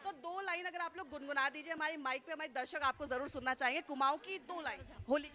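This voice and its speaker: High bright-voiced woman field reporter. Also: fast. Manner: fluent reporting with frequent fillers. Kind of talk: live news field report. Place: outdoors at a temple festival gathering.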